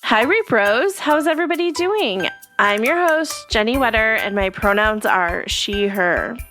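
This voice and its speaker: A woman's voice: fairly high pitch, expressive, unhurried, fairly bright tone, faint music behind. A young woman hosting a podcast in a loose, chatty way full of fillers, sounding a little stuffy from allergies. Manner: rambling, filler-heavy, friendly. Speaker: podcast host. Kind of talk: casual chatty podcast talk.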